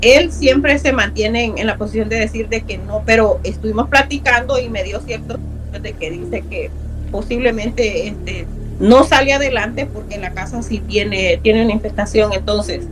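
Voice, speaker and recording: A woman's voice: a little high, normal speed, rough recording. A middle-aged woman from Honduras, earnestly telling a personal story as a guest, repeating words for emphasis.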